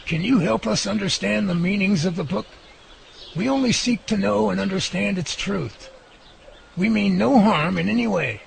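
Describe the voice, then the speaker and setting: An actor playing an earnest, curious man who leads a team of creature researchers in an audio drama, speaking deliberately. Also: sits high, creaky, background noise. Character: earnest, curious male Bigfoot researcher leading his team.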